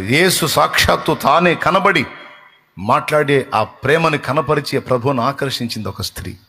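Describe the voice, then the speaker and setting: A man's voice: mid-range voice, fairly bright tone, slightly rough. A man preaching a sermon with passion, retelling scripture scenes and putting questions to his listeners. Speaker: pastor. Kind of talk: Telugu sermon.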